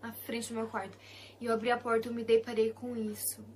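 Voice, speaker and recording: A young woman with a Brazilian accent recounts her faith testimony in a soft, close voice that keeps slipping into a near-whisper. Her voice sits a little high and stays fairly flat in tone. A faint hiss of background noise lies under her words. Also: fairly quick. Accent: Brazilian Portuguese. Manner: soft and intimate, often dropping to a hushed whisper. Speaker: Christian testimony speaker. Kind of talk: personal testimony.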